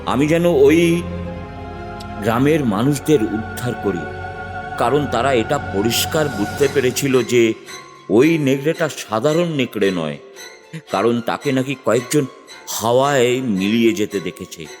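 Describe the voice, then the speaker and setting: A man narrates a village horror tale as the guru at its center, building tension as he tells it. His voice sits at a middle pitch. Music plays clearly underneath. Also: expressive, measured pace, long pauses. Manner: dramatic storytelling.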